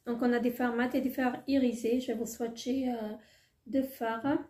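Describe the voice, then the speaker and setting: A woman's voice: on the high side, little pitch movement, moderate pace, mellow. Woman vlogger, casual haul chat, gushing with lots of fillers, in a roomy echo. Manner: hesitant, many fillers, gushing. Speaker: beauty vlogger.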